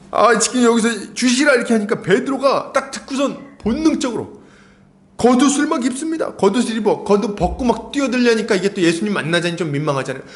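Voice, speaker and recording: Guy pastor preaching, voice jumps around a lot, acts out the story bits. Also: high-pitched. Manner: animated storytelling, acting out quoted lines. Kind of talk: sermon.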